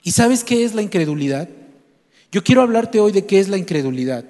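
Preacher with a high voice. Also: male voice, expressive, brisk, darkish tone. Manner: storytelling, addresses listeners directly with rhetorical questions. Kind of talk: sermon. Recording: long hall reverb.

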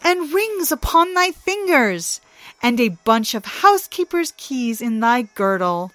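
A woman's voice: a little high, big pitch swings, fairly bright tone, no room sound, pitched above the performer's own voice. A woman voicing a cunning, mocking male trickster god in a storybook reading, speaking in a sly, teasing way. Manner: sly, teasing, drawn-out mockery.

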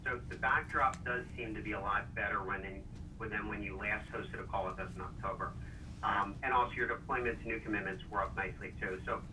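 A man's voice: fairly low pitch, steady tone, brisk. A man asking a question as a financial analyst on an earnings call. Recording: noisy, distant phone-line sound.

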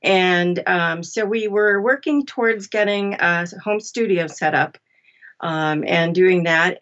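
A woman's voice: fairly low pitch, fairly bright tone, lo-fi sound. A woman speaking as an interview guest, explaining her work in a casual, conversational way. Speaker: interview guest, audiobook narrator.

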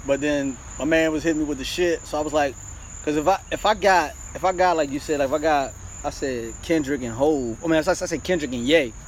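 A man's voice: on the high side, a little fast, a little hiss or hum, low-quality recording. A young man in casual hip-hop chat, rambling and profane, with many restarts.

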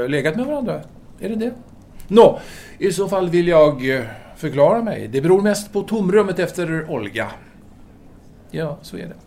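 A man's voice: a little high, darkish tone. An actor playing a self-absorbed French intellectual lover in an audio drama, speaking formally and hesitantly as he earnestly justifies himself. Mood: defensive. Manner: formal, halting, theatrical hesitations.

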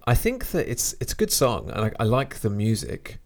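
A man in casual chat about music, talking in a relaxed, hesitant way and sometimes reading a short biography aloud. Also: medium pitch, moderate pace, gravelly.

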